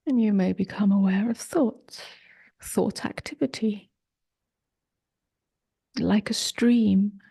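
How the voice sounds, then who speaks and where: Slow, breathy woman guiding meditation. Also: medium pitch. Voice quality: soft, breathy, husky, often near a whisper. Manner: gentle, unhurried, long pauses between short phrases. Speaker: meditation teacher. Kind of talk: guided meditation, slow and spoken softly.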